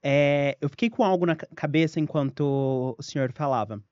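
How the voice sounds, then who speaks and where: A man's voice: fairly high pitch, normal speed, darkish tone, clean tone, dry recording. A man interviewing a guest, speaking in an informal, admiring way as he sums up the guest's story. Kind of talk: conversational interview questions. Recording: dull lo-fi dry audio.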